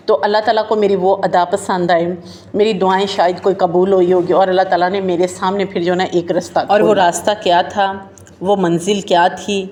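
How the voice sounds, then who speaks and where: A woman's voice: mid-range voice, darkish tone, a little hiss or hum. A woman giving a casual, heartfelt talk straight to her listeners, whom she calls her sisters and friends. She speaks in a loose conversational flow and often leans on the filler "jo hai na". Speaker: motivational talk host.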